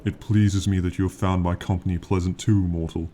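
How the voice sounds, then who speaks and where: A man voicing an ancient, proud male dragon in an ASMR fantasy roleplay, speaking slowly and formally with lofty, condescending yet fond authority. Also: low-pitched, level tone, warm tone, a little hiss or hum, close to an everyday voice. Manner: slow, formal, lofty, archaic phrasing.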